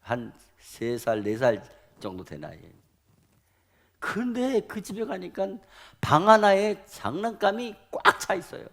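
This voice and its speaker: A middle-aged man preaching a sermon in a storytelling manner. His voice sits a bit high and rises and falls a great deal. He moves between loud emphatic bursts and quiet, almost whispered asides. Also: a little slow. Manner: animated storytelling, swinging between loud and soft. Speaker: pastor.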